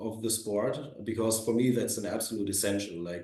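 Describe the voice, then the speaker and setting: A man with a German accent speaks with fairly even intonation, and audible room echo can be heard. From Germany, Dortmund. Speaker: soccer coach. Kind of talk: interview.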